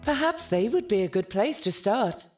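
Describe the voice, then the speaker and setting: A woman playing a ship's AI in an audio drama, formal, literal and gently concerned, with precise, stilted wording. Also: mid-range voice, very animated, moderate pace, soft background music, natural voice. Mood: formal, measured.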